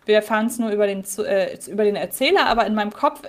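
A woman's voice: medium pitch, fast talker. A woman co-hosting a podcast in casual chat, chatty and self-deprecating. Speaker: podcast co-host.

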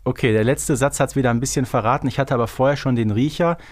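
A man's voice: mid-range voice, quick pace, dry recording, studio quality. A man co-hosting a podcast, chatting casually through a quiz game. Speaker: podcast host playing a quiz. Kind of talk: casual chat.

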